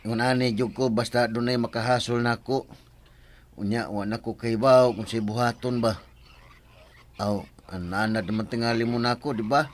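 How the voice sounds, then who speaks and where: Guy acting older bisaya village farmer, excitable n sheepish, stammers and rambles, radio comedy, pretty noisy recording w clicks. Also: mid-range voice, normal speed, natural voice. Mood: grumbling. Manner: hesitant, stammering when nervous, rambling.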